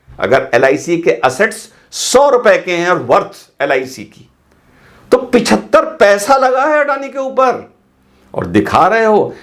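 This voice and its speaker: A man giving heated political commentary, combative and firing off rhetorical questions and rapid lists. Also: sits high.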